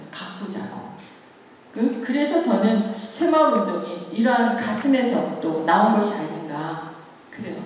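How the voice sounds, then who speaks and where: A woman in her sixties giving an earnest, emotive public lecture with expressive recitation and conversational asides to her listeners. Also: fairly high pitch. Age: 60s. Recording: echoey hall, distant mic, background noise.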